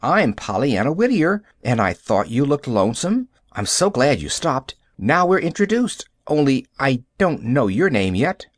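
A man's voice: mid-range voice, sing-song, a little slow, few pauses, no echo, studio quality. A man voicing a cheerful, chatty young girl who talks eagerly. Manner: bright and eager.

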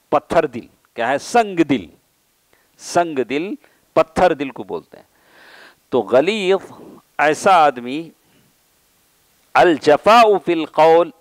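A man's voice: mid-range voice, dry recording, low-quality recording. A man with an Indian Urdu accent giving a religious lecture, often asking his listeners a question and then answering it himself, and mixing Arabic quotations and English words into his talk. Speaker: Islamic scholar giving a lecture. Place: mosque or lecture hall.

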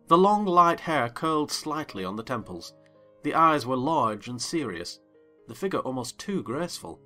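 A man playing an observant, refined gentleman, narrating formally and expressively in a dramatized literary reading. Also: mid-range voice. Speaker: audiobook narrator. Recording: music bed behind voice.

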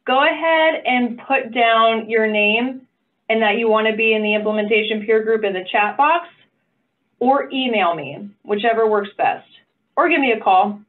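A woman's voice: a little high, normal speed. A woman running an online stakeholder meeting, upbeat and encouraging with playful asides. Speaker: meeting facilitator. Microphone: video call. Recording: phone-like video call audio.

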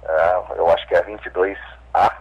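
A man's voice: low voice, fairly even intonation, fairly quick, dull audio. A man with a Brazilian Portuguese accent, an event organizer speaking as a radio guest, hesitant with many restarts. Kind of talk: phone-in radio interview.

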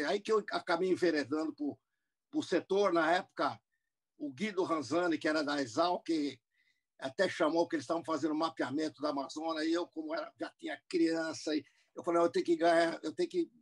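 A man's voice: fairly high pitch, fairly quick, creaky, husky. A man in his seventies from the United States, a businessman guest telling his life story in a rambling interview manner over a video call. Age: 70s. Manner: rambling, with many restarts and asides. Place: indoor room at home.

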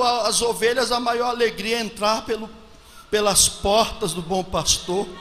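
Brazilian male preacher, forties, high and piercing bright voice, sermon in a big reverberant church hall with faint noise. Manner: swings from hushed storytelling to shouted praise. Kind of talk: Pentecostal sermon with testimony. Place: large church hall with congregation. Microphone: handheld microphone at a pulpit.

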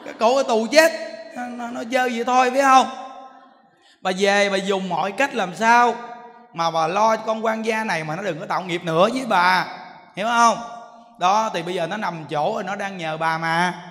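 A man's voice: high-pitched, moderate pace, fairly bright tone. A monk giving a sermon as a joking storyteller, often asking his listeners rhetorical questions. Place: temple hall with an audience. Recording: echoey hall.

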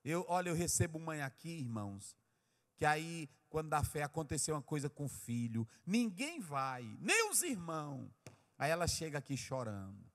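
A pastor, preaching a sermon and swinging from quiet asides to loud cries. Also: male voice, on the high side, lively intonation, brisk. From Brazil. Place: church hall. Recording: long church-hall reverb.

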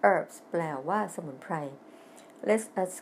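A woman's voice: medium pitch, slight background noise. A middle-aged woman with a Thai accent teaching English on television. She reads a children's story line by line, spells out the words letter by letter, and explains them in Thai. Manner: reads English lines slowly and loudly, then explains quickly in Thai. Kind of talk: TV English lesson, reading a children's story aloud.

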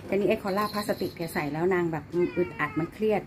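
A woman's voice: lowish voice, fast, noisy background. A woman at home filming her pets on a phone, chatting casually and talking to the animals in a cooing, baby-talk way. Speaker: pet-owner vlogger.

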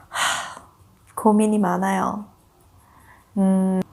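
A young woman vlogger with a mid-range voice tells a personal story in a relaxed, animated way. She laughs often and acts out what people said.

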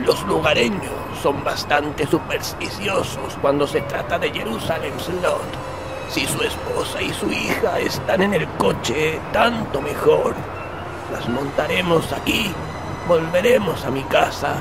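An actor playing a cautious, stubborn small-town local man in an audio drama, firm and deliberate as he speaks. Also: on the high side, animated, loud music behind the voice. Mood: cautionary.

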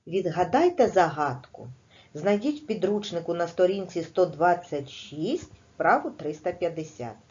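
A woman teaching a primary school class in a recorded video lesson, explaining slowly and clearly with patience. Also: lowish voice, expressive, darkish tone, dull audio.

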